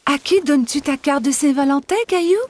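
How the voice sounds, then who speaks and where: A woman's voice: high-pitched, a little fast, a little mellow, lightly acted. A woman voicing a loving, admiring mother in a children's cartoon, tender and full of praise. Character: loving, admiring young mother of a little boy.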